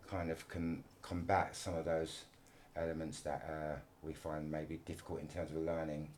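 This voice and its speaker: A middle-aged man from London hosting a casual podcast, talking in an animated, restless way with many restarts and repeated words. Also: low-pitched, a little hiss or hum. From London, England. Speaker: podcast host.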